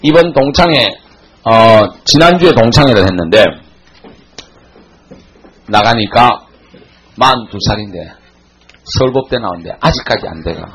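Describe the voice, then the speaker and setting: A man in his forties giving a classroom lecture, telling a blunt, animated story to his students. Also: mid-range voice, moderate pace, pauses often, breathy edge, rough recording. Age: 40s.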